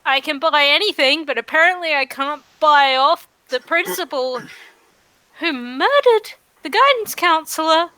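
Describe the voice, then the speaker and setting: Woman playing a whiny-earnest teen student in a fantasy game, highish bright voice, dry close sound. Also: animated, no echo, exaggerated voice, poor audio. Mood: pleading. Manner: complaining, earnest, halting. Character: aggrieved teenage adventuring-school student pleading with a parent.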